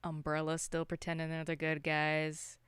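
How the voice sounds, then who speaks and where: Low-voiced, smooth woman chatting casually. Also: monotone, moderate pace, a bit bright, dry recording, clean studio sound. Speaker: podcast co-host. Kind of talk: casual chat about movies.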